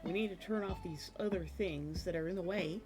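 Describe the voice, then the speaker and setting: Chatty streamer woman, lower voice, slightly hoarse. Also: a little fast, over music. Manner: chatty, rambling with many fillers, laughs often. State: slight cough, losing voice. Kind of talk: casual chat while gaming. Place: home room at her computer.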